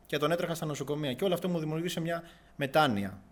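Earnest young man, slightly high voice, halting faith testimony. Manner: earnest, halting, with restarts and long pauses. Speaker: giving a religious testimony. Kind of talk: personal testimony, storytelling.

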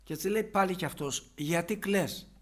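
High-voiced man preaching a sermon. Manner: explains scripture and asks rhetorical questions.

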